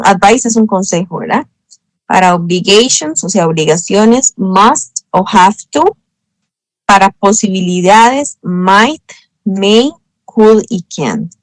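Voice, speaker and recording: A woman's voice: medium pitch, dry recording, rough recording. A woman, an English teacher patiently explaining grammar in an online exam review. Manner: patient, explanatory, spells out letters slowly.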